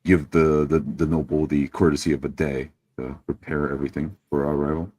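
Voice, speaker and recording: A man's voice: rumbling low, flat delivery, brisk, mellow, no echo, studio quality. A man playing in a tabletop roleplaying game, speaking formally in character and narrating his own actions. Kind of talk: in-character roleplay mixed with first-person narration.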